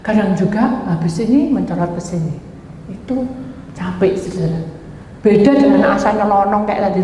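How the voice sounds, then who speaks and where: A woman pastor preaching lively, acting out the voices in her story. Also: mid-range voice. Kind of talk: sermon with storytelling. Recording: echoey hall, faint background noise.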